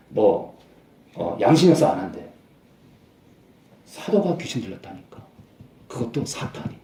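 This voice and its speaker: A male pastor preaches with emphasis, repeating key phrases and climbing in pitch to drive them home. His voice is mellow and dark in timbre, and it rings out across an echoey church hall. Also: a little hiss or hum. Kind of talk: sermon.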